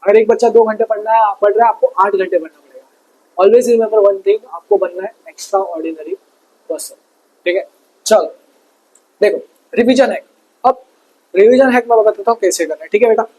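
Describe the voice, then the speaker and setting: Husky high-voiced man giving study tips. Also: brisk, long pauses, a little mellow, low-quality recording. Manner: fatherly, calls viewers "beta", repeats advice. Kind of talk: motivational study advice talk.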